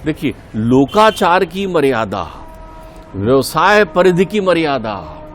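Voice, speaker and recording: A man's voice: on the high side, sing-song, takes it slowly, fairly bright tone, soft background music. A middle-aged man giving a spiritual talk as a guest in a TV interview, earnest and preaching, repeating key points for emphasis.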